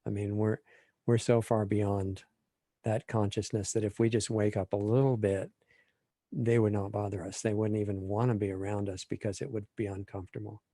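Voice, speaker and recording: A man speaking as a guest in a spiritual interview, calm, measured and reflective. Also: lowish voice, no room sound.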